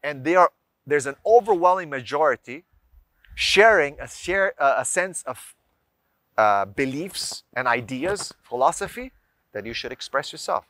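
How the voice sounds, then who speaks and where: In an informal lecture to viewers, a man acting as a religious advice speaker teaches emphatically, using rhetorical questions and lists of examples. His voice sits on the high side, expressive and a bit bright, and he talks a little slowly. There's no echo.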